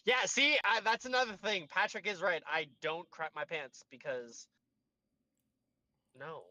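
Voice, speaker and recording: Man, co-host, bright tone, slightly high voice, stutters, lots of ums, dry close sound. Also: measured pace, no echo. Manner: stammering, filler-heavy, playful. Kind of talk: casual live stream banter.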